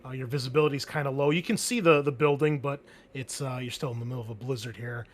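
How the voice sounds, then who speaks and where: A man's voice: mid-range voice, quick pace. A man working as game master, narrating and refereeing a tabletop roleplaying game in a casual way.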